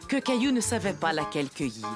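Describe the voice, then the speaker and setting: A woman's voice: on the low side, sing-song, quick pace, over music. A woman narrator reading scripted storybook narration for a children's cartoon.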